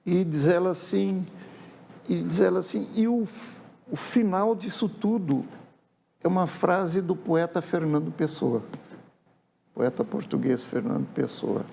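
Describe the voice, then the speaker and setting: A man's voice: sits high, measured pace, vocal fry, warm tone, slight background noise. A man, a writer telling stories reflectively in a casual TV interview. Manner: reflective, with frequent tag questions. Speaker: writer and guest. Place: TV studio.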